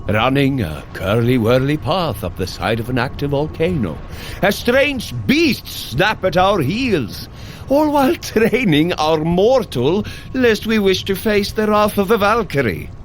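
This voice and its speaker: A man's voice: high voice, sing-song, a little slow, a little hiss or hum. An actor playing a hearty, jovial male thunder god who cheers on a runner in a scripted audio drama and laughs easily. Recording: music bed under the voice.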